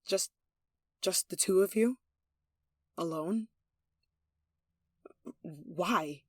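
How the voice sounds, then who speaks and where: A woman's voice: on the low side, a bit bright, no echo. Girl voice acting spoiled possessive noble lady, yandere asmr type, bossy n jealous, super dry close recording. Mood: hurt, quiet. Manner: imperious, indignant, sighing, clipped commands. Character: possessive, haughty young noble, jealous and domineering.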